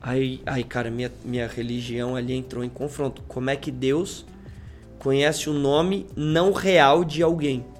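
A man guests on a podcast and tells a story with lots of slang, acting out what each person said. His voice sits a little high. Soft music plays faintly behind him. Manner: slangy, peppers speech with "cara" and "mano"; acts out quoted dialogue in changing voices. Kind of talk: animated storytelling in casual chat.

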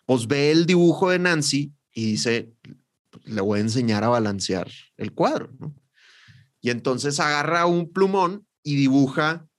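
A man, co-hosting a podcast, telling a story in a lively way and acting out the voices of the people in it. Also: a little high. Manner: animated storyteller, acts out quoted voices. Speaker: podcast co-host, sales trainer.

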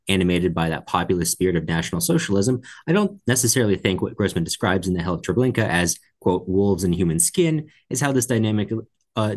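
A man's voice: deep voice, darkish tone. A man co-hosting a podcast book discussion, going through comments and offering his thoughts. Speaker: podcast co-host.

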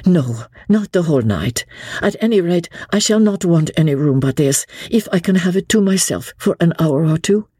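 A woman's voice: on the low side, expressive, moderate pace, dark tone, slightly rough, no echo, studio quality, voice pushed up. A woman voicing an aristocratic young lady, polite and commanding yet anxious, in an audiobook. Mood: composed, urgent.

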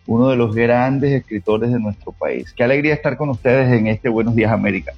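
A Colombian man with a husky voice tells his story as an interview guest, pausing with fillers as he goes. His voice comes through a dull, lo-fi line with faint music behind. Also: mid-range voice.

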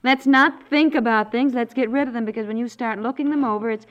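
A brisk, practical housewife played by an actress talks in a fairly high voice, chatty and a little exasperated. Her delivery is natural 1950s radio comedy, wry and domestic. The recording is dull and vintage. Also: lightly acted. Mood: brisk, rueful. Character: brisk, practical middle-class wife and mother.

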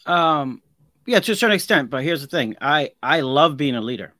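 A man's voice: fairly high pitch, lively intonation, normal speed, pushed and bright, no room sound, clean studio sound. A man in his forties, a guest craftsman in a casual interview, talking earnestly and reflectively and often restarting his sentences. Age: 40s.

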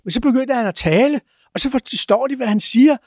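A man telling adventure stories as a guest, lively but halting, with many filler sounds. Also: extremely high pitch, dry recording, clean studio sound. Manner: lively, acts out chants and sounds. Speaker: guest explorer. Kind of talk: animated storytelling.

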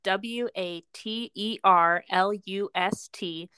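A woman's voice: mid-range voice, takes it slowly, sharp tone, smooth, dry recording. A woman co-hosting a podcast, speaking in an informal, chatty way. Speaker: podcast co-host. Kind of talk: casual chat and read sponsor spots.

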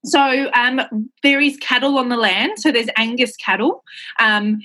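A woman's voice: on the high side, measured pace, sharp tone, rough recording. A young Australian woman with a slight nasal head cold, chatting as a podcast guest in a bubbly, filler-heavy way. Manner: chatty and upbeat, many fillers and quoted asides. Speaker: podcast guest, makeup artist. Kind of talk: casual interview chat.

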